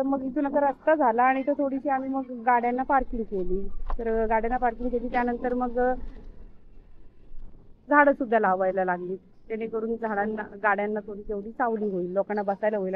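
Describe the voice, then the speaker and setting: A woman's voice: fairly high pitch, phone-quality sound, a little hiss or hum. A woman vlogging casually as she walks her dog outdoors on an open hillside, talking in a chatty way with lots of fillers. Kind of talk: casual vlog chat.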